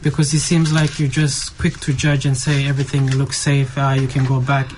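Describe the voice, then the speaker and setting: Man, flat delivery, earnest opinion in group talk, light ambient noise. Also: medium pitch, moderate pace.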